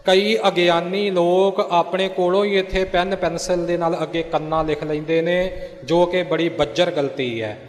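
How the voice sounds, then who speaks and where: A man's voice: high voice, steady tone, measured pace. A man who teaches pronunciation, correcting mistakes in a firm, explanatory way. His slightly raised voice sounds echoey and carries a long reverb.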